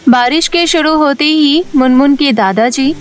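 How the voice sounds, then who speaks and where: A woman's voice: sits high, unhurried, slight background noise. A woman narrating a scripted children's story.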